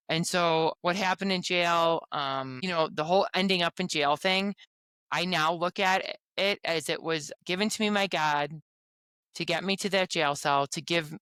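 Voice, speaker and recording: Bright, crisp-voiced woman telling her story. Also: low voice, no room sound. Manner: frank, expressive, lively retelling. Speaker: podcast guest. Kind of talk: candid personal storytelling.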